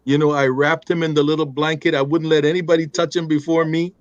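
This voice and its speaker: A middle-aged man telling personal stories as a guest on a video call, animated and quick to laugh. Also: on the high side, no echo, muffled recording. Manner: animated, laughing, many restarts. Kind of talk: storytelling in conversation.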